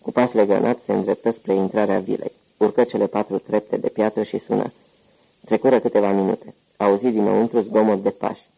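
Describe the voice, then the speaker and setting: A man narrating an audiobook novel with a steady, measured reading. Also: on the low side, vocal fry, breathy edge, low-quality recording. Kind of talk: scripted narration.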